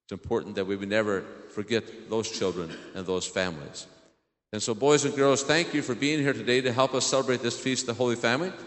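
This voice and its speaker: An American man speaks as a priest addressing children in a church homily, in simple, plainly worded phrases. His mid-pitched voice rings through a large space with long reverb. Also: a little fast. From southern Illinois, United States. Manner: simple questions to children, repeats their answers.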